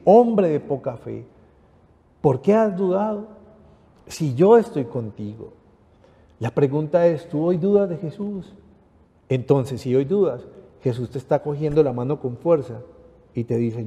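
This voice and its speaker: A man's voice: fairly high pitch, mellow. A man with a Panamanian accent reading the Gospel and preaching a homily, earnest, building his points through repeated emphatic appeals. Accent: Panamanian Spanish. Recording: long hall reverb.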